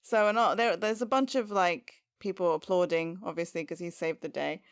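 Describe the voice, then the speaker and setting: A woman co-hosting a podcast, recapping a TV episode in casual chat, animated and sarcastic with frequent laughs. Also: on the low side, normal speed, clear, resonant tone. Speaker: podcast co-host.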